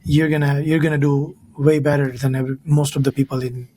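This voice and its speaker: A man's voice: on the high side, level tone, fairly quick, mellow. A man, earnestly telling his story as an interview guest. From India. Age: 30s. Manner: earnest, storytelling, often ends with "right?". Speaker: guest, financial advisor. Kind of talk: casual interview talk.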